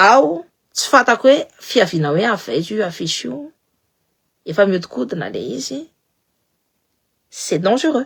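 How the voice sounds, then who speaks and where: A woman with a slight Malagasy accent speaks at a very slow pace with vocal fry. Her pitch swings very widely, and she takes long, frequent pauses. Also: medium pitch for a woman, big swings in loudness. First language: Malagasy (speaking French). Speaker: political commentator. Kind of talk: political commentary livestream. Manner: animated.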